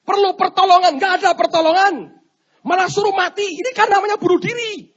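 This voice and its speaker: A preacher voicing a stubborn, angry Christian man who shouts and complains indignantly. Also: very high voice, fairly even intonation, fairly quick, voice pushed up. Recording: dull lo-fi sermon recording.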